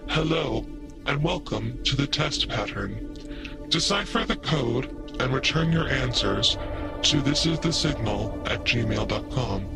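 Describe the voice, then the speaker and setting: Actor as eerie male announcer: measured, creaky, cold, under loud scary music. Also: mid-range voice, expressive. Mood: cold, methodical. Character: cold, methodical male announcer of a cryptic test broadcast. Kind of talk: slow scripted announcement.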